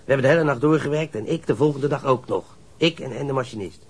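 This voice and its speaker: A man's voice: mid-range voice, quick pace, slightly rough, lightly acted. An actor playing a surly, defensive young male ship's stoker in a radio crime drama, coarse and sullen, stammering when riled. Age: young adult.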